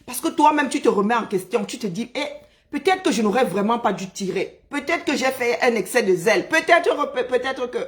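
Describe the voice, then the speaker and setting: A man's voice: extremely high pitch, lively intonation, fairly quick, fairly bright tone. Angry man ranting live. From Cameroon. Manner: indignant, emphatic, repeats phrases for force. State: agitated. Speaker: live streamer. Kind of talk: angry live-stream rant.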